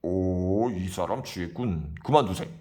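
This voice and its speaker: A man's voice: deep voice, a little slow, mellow. A man voicing a puzzled, cautious middle-aged drinking buddy who speaks in a mild, reasoning tone. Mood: worried.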